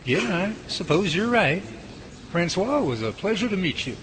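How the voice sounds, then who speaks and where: Man acting an earnest, very animated newcomer. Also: high-pitched, moderate pace, noisy background. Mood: questioning. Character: earnest, easily flustered, impressed male team leader. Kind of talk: amateur radio drama acting.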